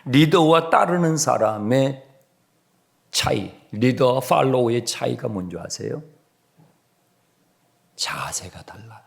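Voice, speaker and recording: A male pastor preaching an expository sermon, animated, sometimes dropping to a hushed whisper for emphasis. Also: medium pitch, a little slow, gravelly. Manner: animated, acts out complaining voices and sings hymn lines.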